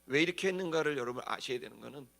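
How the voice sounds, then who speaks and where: This pastor's sermon is driven by colloquial, dramatic storytelling and acted-out emphasis. He speaks very fast at a medium pitch, with vocal fry and a pushed, bright tone.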